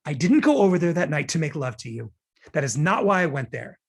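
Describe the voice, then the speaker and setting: A man's voice: on the high side, very animated, brisk, vocal fry. An actor playing a defensive, exasperated man arguing with his lover in a table read of a romantic comedy. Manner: argumentative, self-justifying.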